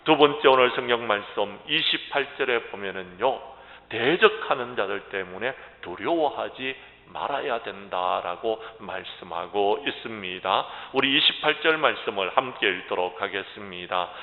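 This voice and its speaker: A man preaching a sermon as pastor in a church, often addressing the congregation directly and swinging from quiet storytelling to loud, emphatic preaching. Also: on the low side, lively intonation, normal speed. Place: church sanctuary. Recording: echoey church hall, tinny phone-like sound.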